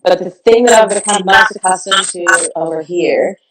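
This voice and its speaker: A woman's voice: fairly low pitch, normal speed. Echoey distant woman on a video call. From Kansas, American Midwest. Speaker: guest, balm founder. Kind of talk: casual video interview. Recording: echoey room, distant mic, background noise.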